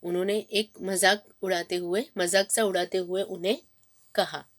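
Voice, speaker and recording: A woman's voice: fairly low pitch, fairly even intonation, normal speed. Woman teacher patiently retelling a story. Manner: reads each sentence, then repeats and paraphrases it. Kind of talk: reading and explaining a textbook story.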